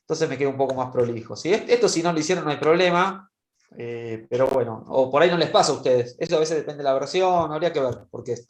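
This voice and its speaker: A man's voice: fairly high pitch, animated, fast talker. Patient man teaching a class, roomy sound. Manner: patient, keeps checking in with students. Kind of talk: online class screen-share demonstration. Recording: roomy echo.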